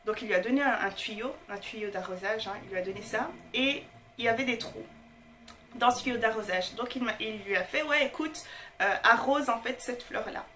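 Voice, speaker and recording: A woman's voice: fairly high pitch, brisk, a bit bright, a little hiss or hum. A woman speaking in casual, motivational talk to her viewers, emphatic and informal, repeating her key phrases. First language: not French. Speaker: motivational online host.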